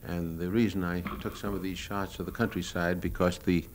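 A man's voice: sits low, flat delivery, a little fast. An American man narrating his own war footage off the cuff as a cameraman, matter-of-fact and hesitant as he reminisces. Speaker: newsreel cameraman. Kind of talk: unscripted narration of his own home movies. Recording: noisy old live talk recording.

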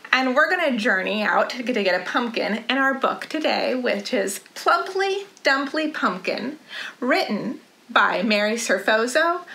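High, bright-voiced woman leading children's storytime. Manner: animated, deliberate sing-song rhythmic delivery for young children. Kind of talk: children's storytime read-aloud. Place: living room, indoors.

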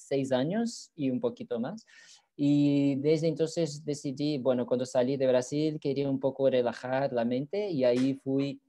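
A man in his thirties from Brazil with a Brazilian Portuguese accent, a native Portuguese speaker telling his story informally in a halting Spanish-Portuguese mix. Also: medium pitch, dark tone. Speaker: Buddhist monk introducing himself. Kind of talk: informal personal account. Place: small room indoors. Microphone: wired earphone mic on video call.

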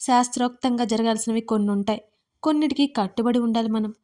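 A woman voicing a frightened, tearful but stubborn young bride who pleads softly in an audio storybook. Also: a little high, fast talker, close to an everyday voice. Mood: pleading, tearful.

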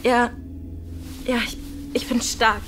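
An actress playing a frightened woman straining to be brave in a German audio drama, halting and repeating words. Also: fairly high pitch, level tone, noisy background. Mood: frightened, shaky.

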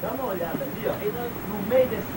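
A man's voice: high-pitched, expressive, moderate pace, background noise. An older man chatting casually outdoors, recorded by a camcorder on old worn tape. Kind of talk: casual rambling chat. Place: outdoors by a wooden farmhouse. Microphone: camcorder some distance away. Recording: old worn tape, distant, people around.

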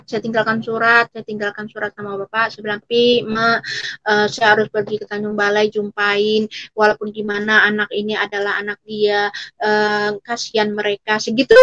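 A middle-aged woman from Riau in Indonesia gives an emotional personal testimony in a fairly high voice. She circles back and repeats her phrases as she tells it. The sound is dry, with no room echo. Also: a bit bright. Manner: repeats phrases over and over while telling her story. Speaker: guest giving a personal testimony.

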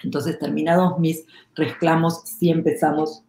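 A woman giving an academic lecture at a graduate seminar, measured and deliberate, stressing her points in lists. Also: low-pitched, flat delivery, vocal fry, dark tone, a little hiss or hum. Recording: roomy echo.

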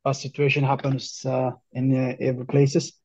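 A young man with an Ethiopian accent talking casually and haltingly about himself, often repeating his words. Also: mid-range voice, completely flat delivery, a little mellow, husky. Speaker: career guidance client, refugee newcomer. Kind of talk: casual conversation, introducing himself. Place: remote online call. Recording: muffled lo-fi online call.

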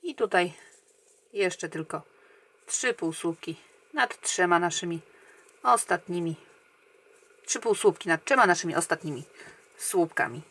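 Slow, calm woman counting crochet stitches. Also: fairly low pitch. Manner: calm, counting stitches aloud, often trailing off quietly. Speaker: crochet tutorial host. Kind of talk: step-by-step crochet instruction.

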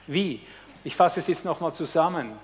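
A man preaching a sermon with intensity, talking straight to his listeners and swinging from hushed words to loud cries. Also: fairly high pitch, moderate pace. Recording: long hall reverb.

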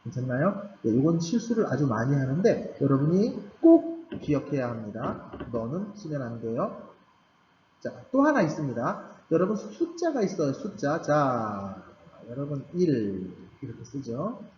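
In a recorded grammar lecture for beginners, a man teaching Korean goes over key points patiently and repeats them emphatically. He speaks unhurriedly in a medium pitch, very animated and a little mellow. Faint hum sits beneath a roomy, slightly dull recording.

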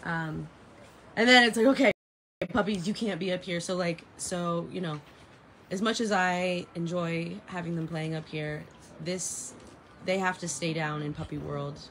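A woman in her thirties with a raspy voice, chatting casually and dramatically to live stream viewers, repeating phrases for emphasis. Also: fairly low pitch, steady tone, a little slow, a bit bright. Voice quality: raspy from heavy singing. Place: open porch of a house and its garden, outdoors. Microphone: phone at arm's length. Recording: noisy outdoor phone recording.

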